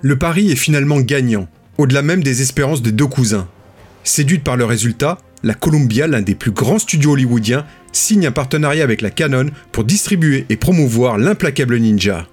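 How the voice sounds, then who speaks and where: A husky male voice narrating a documentary in a measured, storytelling tone, pitched in the middle range. Soft music runs quietly underneath him throughout. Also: expressive.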